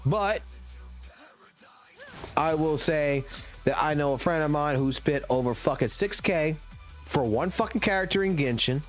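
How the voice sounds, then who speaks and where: A man's voice: on the high side, a little slow, pauses often, soft background music. A man in his thirties ranting profanely and emphatically on a casual gaming livestream, talking into a desk mic at a home streaming setup. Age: 30s.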